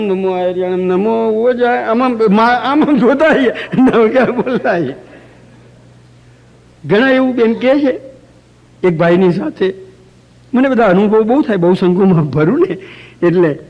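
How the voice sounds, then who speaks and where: A man with a high-set voice leads a religious workshop before a group. He explains points through everyday anecdotes told with a light, humorous touch. He often stops to chant sample phrases aloud himself. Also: creaky, highs cut off. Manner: storytelling, demonstrates chanting aloud. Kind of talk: lecture to a live group. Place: community center hall.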